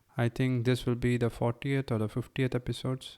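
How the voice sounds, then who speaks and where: A man with a Keralan accent speaks at a medium pitch. The sound is dry and close, with no echo. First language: Malayalam. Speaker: podcast host, blind content creator. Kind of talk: solo podcast talk. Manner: hesitant with fillers.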